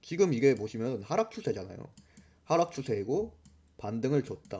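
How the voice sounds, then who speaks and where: A man's dark, mellow, somewhat breathy voice at a moderate pace, with very wide pitch swings. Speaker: crypto chart analysis YouTuber. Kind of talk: tutorial. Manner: self-described poor pronunciation.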